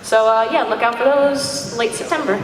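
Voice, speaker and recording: A woman's voice: fairly high pitch, normal speed, a crowd in the background. A woman talking casually as a panelist at a convention. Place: large indoor convention panel room. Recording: distant, very echoey hall, faint noise.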